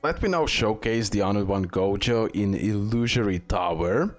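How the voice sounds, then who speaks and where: Low-voiced man commentating gameplay. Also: expressive, moderate pace, soft background music. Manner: repeats words and phrases. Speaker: gaming video creator.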